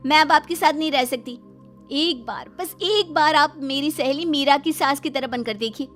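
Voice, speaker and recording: A woman's voice: high-pitched, moderate pace, fairly bright tone, soft background music. A woman voicing a young daughter-in-law in a cartoon who complains in an exasperated way. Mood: complaining.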